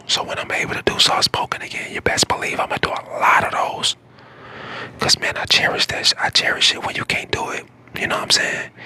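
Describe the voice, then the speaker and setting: Hoarse young man whispering to stream. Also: bright, forceful tone. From St. Louis, Missouri, USA. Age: 20s. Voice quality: voice cracks in and out. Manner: whispering throughout. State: hoarse, getting over lost voice. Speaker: ASMR live streamer. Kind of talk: casual live-stream chat.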